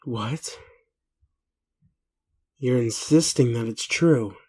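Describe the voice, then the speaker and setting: The werewolf this man performs is groggy, kind, and unsure, caring for the listener with tender, faltering words in an intimate roleplay. His voice is mid-range with a breathy edge, and his mood is tired and doubtful.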